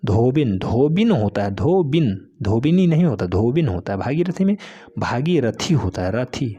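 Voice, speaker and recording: A man's voice: mid-range voice, very animated, normal speed, warm tone, slightly rough, lo-fi sound. A male teacher giving an exam-prep spelling lesson, repeating each word several times in an emphatic, drill-like way and calling his students "beta".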